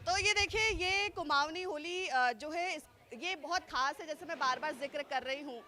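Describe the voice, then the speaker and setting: Woman field reporter, live outdoor news report, very high voice, fluent with fillers. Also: normal speed, bright, forceful tone. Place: outdoors at a temple festival gathering.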